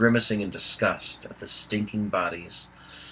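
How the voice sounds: What is heard is a natural reading voice.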